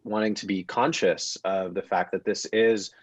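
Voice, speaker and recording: A man around thirty, an actor speaking reflectively as a panel guest, in a halting, thoughtful way that often restarts. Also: fairly low pitch, steady tone, no room sound. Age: 30s. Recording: muffled, dull online-call audio.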